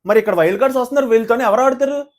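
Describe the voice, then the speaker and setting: Fast, high-voiced indignant man ranting. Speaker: reality show reviewer. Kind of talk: heated casual commentary.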